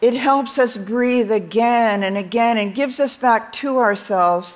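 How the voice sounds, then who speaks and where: A woman's fairly high, fairly slow voice with an American accent, an ordinary speaking voice with ordinary pitch variation. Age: 60s. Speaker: writer giving a talk. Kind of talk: inspirational talk. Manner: humorous, warm delivery.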